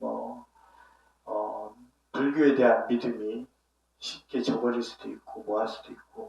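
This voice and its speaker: A man with a slight Chungcheong accent speaks at a very slow pace, leaving long, frequent pauses, his loudness swinging widely. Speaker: Buddhist monk. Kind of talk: dharma talk. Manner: casual, conversational.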